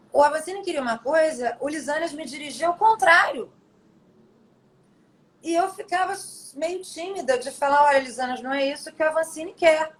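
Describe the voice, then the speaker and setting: A middle-aged actress chatting as an interview guest, telling her stories in an animated, expressive way. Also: high-pitched, rough recording. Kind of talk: casual storytelling interview.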